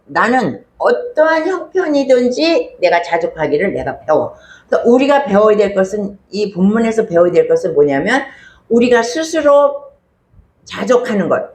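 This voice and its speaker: A woman's voice: medium pitch, darkish tone, roomy sound. A woman pastor preaching a sermon in a conversational way, with emphatic repetition and rhetorical questions.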